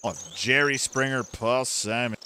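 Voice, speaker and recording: A man with a raspy voice streaming a co-op farming game, chatting loosely and drifting into pop-culture tangents. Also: medium pitch, measured pace. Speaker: co-op gaming streamer. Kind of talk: casual gameplay banter. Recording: steady background noise.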